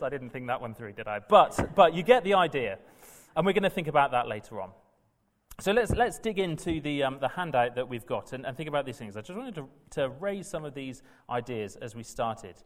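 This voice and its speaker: A man from Wales, teaching a Bible session in an earnest, emphatic way that builds in bursts. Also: fairly high pitch. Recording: reverberant hall.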